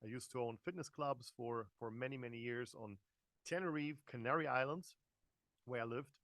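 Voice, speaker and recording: A man's voice: medium pitch, normal speed, a bit bright. A man in his forties with a German accent delivers a live online business presentation, with a mid-range voice. He talks loosely and directly to listeners, full of fillers and restarts. The sound is dry, with no room echo. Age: 40s. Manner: chatty, hesitant, many fillers and restarts, addresses the audience directly. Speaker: network marketing presenter.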